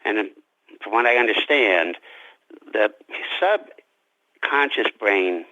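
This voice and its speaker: A man being interviewed as a writer, talking reflectively about his craft in deliberate, halting phrases. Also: on the low side, animated, bright, forceful tone, no room sound, dull audio.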